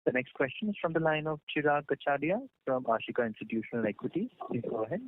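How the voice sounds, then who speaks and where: A man's voice: medium pitch, lively intonation, fast talker, a little hiss or hum. Male call operator on a phone line. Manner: polite, formal. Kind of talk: formal scripted call moderation. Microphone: telephone. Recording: dry narrowband phone line.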